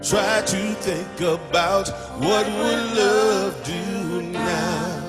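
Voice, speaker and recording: A man sings a slow, unhurried gospel song over a loud band. He calls on the people to join in, leading the congregation from the front. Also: high-pitched, loud music behind the voice. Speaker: worship singer.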